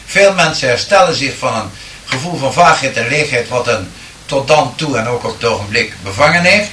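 A man speaking in a measured, deliberate way to an audience, answering their questions and then reciting improvised rhyming verse, with occasional hesitant fillers. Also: mid-range voice, lively intonation, bright, forceful tone, slight background noise.

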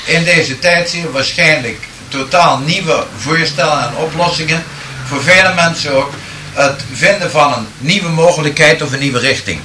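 A man speaking in a measured, deliberate way to an audience, answering their questions and then reciting improvised rhyming verse, with occasional hesitant fillers. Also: a little high, pushed and bright, slight background noise.

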